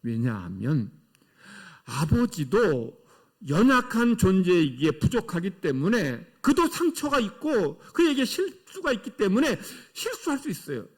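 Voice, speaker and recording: A middle-aged man preaches from the pulpit of a church, pressing his points home with rhetorical questions. His voice sits fairly high for a man and rises and falls a great deal. He speaks with the emphatic cadence of a sermon. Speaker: pastor. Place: church sanctuary.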